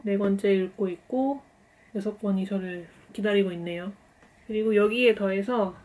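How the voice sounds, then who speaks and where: Young woman book vlogger, slightly high voice, measured and thoughtful delivery. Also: a little mellow. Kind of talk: calm book talk to camera.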